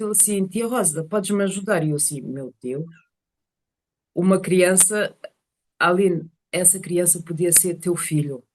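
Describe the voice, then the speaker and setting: A woman telling casual personal stories to a group on a video call, animated and often searching for words. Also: fairly low pitch. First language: Portuguese is one of several languages spoken.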